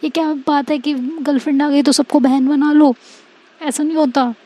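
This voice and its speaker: A woman's voice: high-pitched, steady tone, normal speed, dark tone, pitched above the performer's own voice, close to an everyday voice. A woman voicing a defensive, stubborn young woman who protests and pleads.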